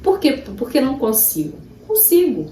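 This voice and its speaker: A woman's voice: sits high, wildly swooping pitch, moderate pace, dark tone, a little hiss or hum. A woman giving an earnest, emotional gospel reflection that rises to emphatic bursts. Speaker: Christian speaker. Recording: roomy sound from a distance.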